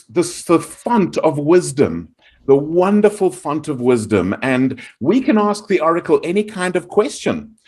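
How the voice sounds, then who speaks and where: A man introducing an improv game over a video call, pausing often with "uh". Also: on the high side. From South Africa. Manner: halting, many "uh" pauses.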